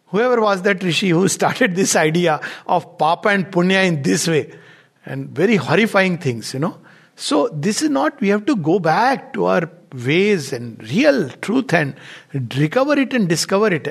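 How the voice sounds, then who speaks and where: A man with an Indian accent speaks as a spiritual teacher in an informal discourse. His voice sits quite high for a man and has a marked gravelly creak. He is emphatic and digressive, often repeating a phrase to drive it home. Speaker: spiritual teacher giving a talk. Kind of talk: informal discourse with read-out quotations and commentary.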